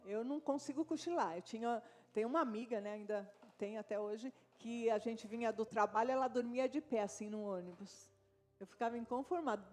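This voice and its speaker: A Brazilian woman pastor preaching in a church, her voice sitting fairly high. She talks to the congregation like a chat, with constant tag questions and asides. Soft music plays underneath. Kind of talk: sermon. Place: church service.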